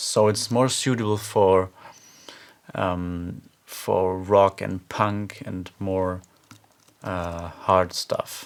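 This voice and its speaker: In a German accent, a man with a very deep, low pitch speaks at a very slow pace with long, frequent pauses and fairly even intonation. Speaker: music producer and content creator. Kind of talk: tutorial. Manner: hesitant, many fillers.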